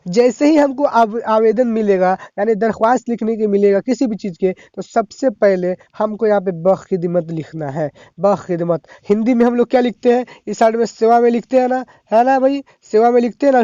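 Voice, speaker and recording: High-voiced man teaching casually. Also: warm tone, no echo. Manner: chatty, repeats "thik hai" and "hai na"; talks fast, stumbles over words. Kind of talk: casual tutorial. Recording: dull lo-fi sound.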